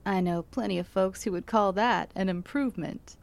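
Woman, late-night radio DJ, played by an actress, wry, measured, radio drama, dry and close. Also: medium pitch, creaky, no room sound, lightly acted. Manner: measured, wry, steady on-air delivery.

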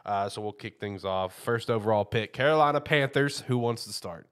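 A man with a fairly low voice hosts a casual sports podcast. He rambles in a loose, chatty way, full of fillers and quick laughs. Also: a bit bright, smooth. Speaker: podcast host.

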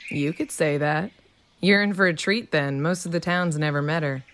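A woman's voice: deep voice, normal speed, fairly bright tone, slight background noise. Chatty small-town diner woman over birdsong. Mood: friendly, curious. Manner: folksy, inquisitive. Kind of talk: audio drama acting. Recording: clear outdoor ambience with birdsong.

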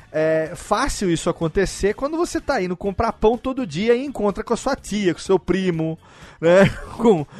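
Um homem apresentando um podcast em conversa descontraída, falando de forma solta, repetindo palavras e rindo com frequência. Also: male voice, high voice. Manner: rambling, repeats words, laughs often. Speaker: podcast host. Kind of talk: casual podcast chat.

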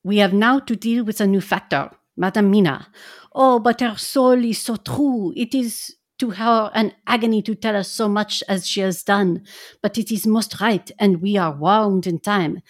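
A woman's voice: mid-range voice, normal speed, lightly acted. A woman voicing a wise older male professor who speaks in grave, formal, old-fashioned phrases.

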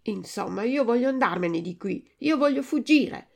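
A woman's voice: a little high, animated, moderate pace, creaky, darkish tone. A woman voicing a frightened, stubborn wooden puppet boy who cries and shrieks for help in a storybook reading. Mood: eager.

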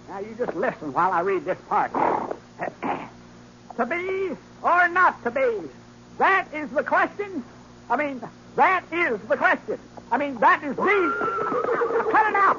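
An actor playing Windy Wales, a boastful, folksy old cowboy sidekick in a 1940s radio western, full of drawling bluster and cackling laughs. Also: male voice, very high-pitched, exaggerated voice. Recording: dull old radio transcription with faint hiss.

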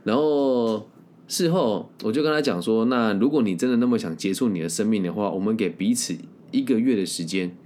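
Guy, kinda low voice, casual blunt storytelling, coach type, lots of trailing particles at the ends of sentences. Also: a little mellow. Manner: blunt and candid, tags sentences with drawn-out particles. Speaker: career-planning coach and online creator.

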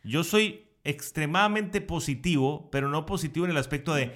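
A man's voice: a little high, a little fast, a bit bright. A man, co-hosting a casual chat with his partner in a playful, teasing, matter-of-fact way. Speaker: co-host.

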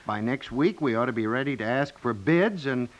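An actor playing a polite, genial, accommodating architect in a 1950s radio domestic comedy, courteous and soothing. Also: male voice, mid-range voice, expressive, moderate pace, close to an everyday voice. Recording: muffled vintage 1950s radio recording.

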